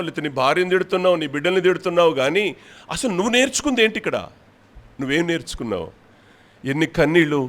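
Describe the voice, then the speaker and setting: A male pastor preaching a sermon, rebuking his listeners with a string of pointed rhetorical questions and swinging between loud and quiet. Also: fairly high pitch. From India.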